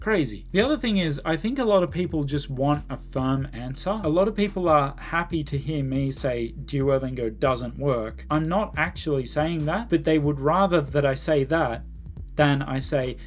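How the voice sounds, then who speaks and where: A man's voice: fairly high pitch, animated, moderate pace, soft background music. A man giving casual, opinionated commentary, blunt and emphatic, often exasperated. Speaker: YouTube language-learning commentator.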